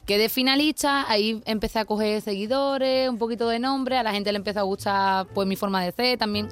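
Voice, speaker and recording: A woman's voice: on the high side, fairly even intonation, a little fast. Chatty Andalusian woman on the radio. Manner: spontaneous, chatty, laughs easily. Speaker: guest, makeup influencer. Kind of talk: radio interview.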